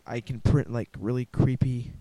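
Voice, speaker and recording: A man's voice: mid-range voice, steady tone, normal speed, mellow, no echo. A young man with a Midwestern accent hosting a casual solo podcast from home, rambling and self-deprecating with restarts. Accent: Midwestern American. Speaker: podcast host. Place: home room. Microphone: close desk mic.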